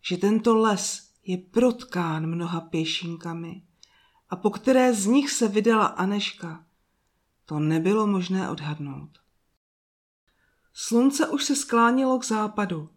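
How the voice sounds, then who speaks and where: A woman narrating a children's fairy tale in a calm, soft and slow reading voice. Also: medium pitch. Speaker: storyteller. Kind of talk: scripted storybook narration.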